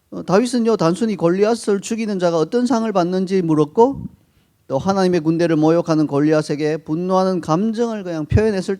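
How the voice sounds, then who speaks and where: A man preaching a sermon, explaining calmly and acting out short quoted lines. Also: on the high side. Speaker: pastor.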